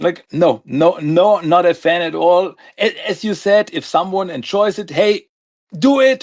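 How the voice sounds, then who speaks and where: A man with an Austrian accent and a high pitch speaks at a fairly slow pace. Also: ordinary pitch variation. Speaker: podcast host. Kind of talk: interview. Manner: hesitant, many fillers and repeats.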